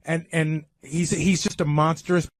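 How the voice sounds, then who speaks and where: A man's voice: on the high side, flat delivery, unhurried. A man on a radio panel, speaking off the cuff in an insistent, argumentative way. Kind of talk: unscripted radio debate.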